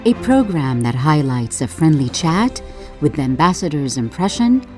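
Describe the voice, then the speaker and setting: A woman's voice: deep voice, very animated, moderate pace, music in the background. A woman reading a scripted radio show promo in an announcer's delivery.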